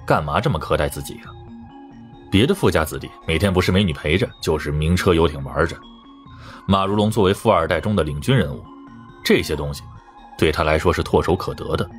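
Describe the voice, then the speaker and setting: A man reading a first-person crime novel as scripted narration. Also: sits low. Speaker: audiobook narrator. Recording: music under the voice. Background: background music.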